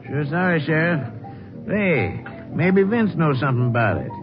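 An actor playing an obliging small-town cafe owner with a homespun manner in a 1950s radio western. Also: male voice, a little high, sing-song, moderate pace. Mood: folksy, obliging. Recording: dull 1950s radio recording with music.

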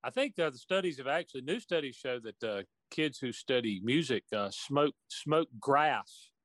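A man co-hosting a podcast who talks in casual chat with dry, self-mocking deadpan humor. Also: mid-range voice, moderate pace, no echo. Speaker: podcast co-host.

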